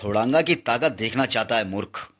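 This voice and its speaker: A man's voice: mid-range voice, animated, brisk, a bit bright, voice pushed down. A man voicing a brutal, greedy male jungle chieftain villain in a comic book reading, with a gloating, mocking manner. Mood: menacing.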